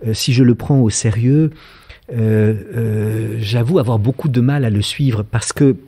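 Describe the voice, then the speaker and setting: A man's voice: medium pitch, unhurried, dark tone, husky. A French man in his fifties giving a public philosophy lecture, thoughtful and full of hesitant filler sounds. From France.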